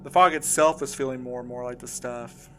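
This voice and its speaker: Casting: male actor for shaken, earnest man in an audio drama, mid-range voice, halting and defensive delivery, music underneath. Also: mid-range voice, steady tone, fairly bright tone, a little hiss or hum, lightly acted. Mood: shaken, urgent. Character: shaken, insistent man recounting a frightening ordeal. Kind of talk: audio drama acting, first-person recounting.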